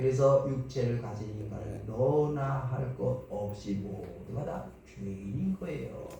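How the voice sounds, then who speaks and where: A man at a medium pitch with ordinary pitch variation, a very slow pace, hardly any pauses and audible room echo. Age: 70s. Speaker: pastor. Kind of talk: sermon. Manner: rhetorical questions to congregation.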